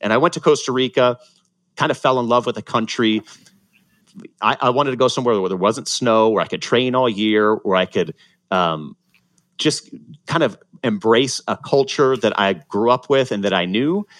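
A man's voice: mid-range voice, normal speed, a bit bright, no echo, clean studio sound. A man, a former pro triathlete telling his story in a casual interview, earnest and reflective, often restarting his sentences. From Ohio, USA, born in Ecuador.

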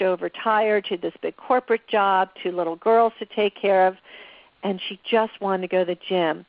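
A woman's voice: medium pitch, no room sound, highs cut off. A woman guest in an interview who answers with confident, conversational anecdotes about relationships.

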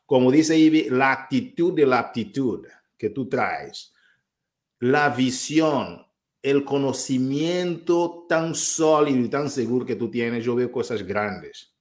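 A man's voice: medium pitch, a little mellow. A man hosting a live-stream interview, encouraging and emphatic with his guest. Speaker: host.

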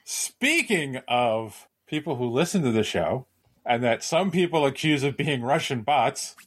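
A man's voice: mid-range voice, expressive, a little slow, a bit bright, slightly rough. A man hosting a casual podcast chat, rambling and hedging his points and laughing often. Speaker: podcast host.

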